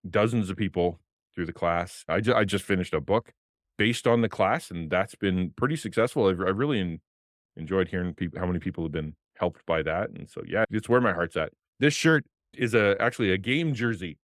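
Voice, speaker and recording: A man with a deep, low voice talks with passion and animation, a former pastor sharing his work as a podcast guest. His words come close and dry from a desk microphone in a small streaming room. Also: a little fast, dry recording. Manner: passionate, animated, gestures with hands. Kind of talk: casual interview talk. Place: home streaming room with colored lights. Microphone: desk podcast mic on arm, headphones.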